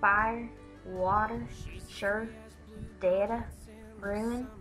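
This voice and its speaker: Over music in the background, a woman with a Texan accent speaks very slowly in a monotone, flat intonation. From Texas, USA. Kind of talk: casual talk to camera.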